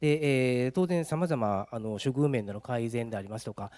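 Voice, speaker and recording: Against a quiet background, a man with a dark, mellow tone speaks with lively intonation, the sound dry with no echo. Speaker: city transit bureau official. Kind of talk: council committee testimony. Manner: halting, many fillers. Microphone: podium.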